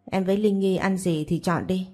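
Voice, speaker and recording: A woman voicing a stern, quick-tempered young father who scolds curtly, in a storybook reading. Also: mid-range voice, steady tone, darkish tone, soft background music, close to an everyday voice. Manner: curt, scolding.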